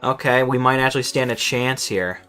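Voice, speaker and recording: A man's voice: mid-range voice, moderate pace, sharp tone, clear, resonant tone. A man streaming a game with casual, exasperated, sweary running commentary, often stammering over repeated words. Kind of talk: casual live gameplay commentary. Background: game music.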